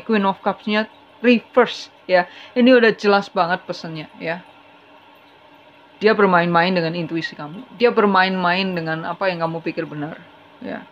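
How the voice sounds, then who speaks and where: Tarot reader, chatty, earnest, mid pitch, slightly dull recording with faint hiss. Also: a bit bright. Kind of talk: casual tarot reading to camera.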